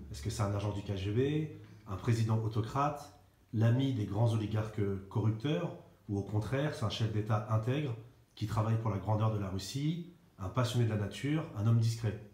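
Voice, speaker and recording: Male interviewer, lowish mellow voice, reels off questions, echoey room. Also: normal speed. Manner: posing a list of rhetorical questions.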